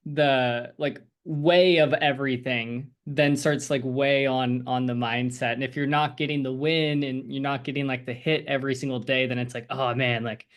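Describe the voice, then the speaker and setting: A man's voice: mid-range voice, steady tone, moderate pace, few pauses, a bit bright. A man coaching a group on a video call, talking casually in a rambling, encouraging way with lots of fillers. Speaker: sales coach.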